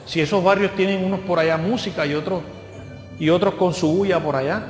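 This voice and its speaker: Man, high voice, preaching a sermon, echoey church hall with long reverb, faint music. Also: fairly quick. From Colombia. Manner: lively storytelling, acts out voices of others. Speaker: guest preacher.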